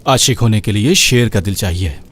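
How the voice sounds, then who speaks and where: A man's voice: on the low side, moderate pace, a bit bright. A man voicing a boastful but cowardly young suitor with a pleading, wheedling manner.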